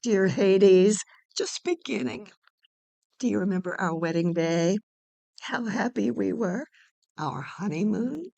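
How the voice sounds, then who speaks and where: A tender queen of the underworld , acted by a woman in a stage play. She coaxes her husband fondly with a very lively, swooping pitch. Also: takes it slowly, vocal fry, no echo, dull audio, full character voice. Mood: fond, teasing. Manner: fond, coaxing. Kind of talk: dramatic play reading.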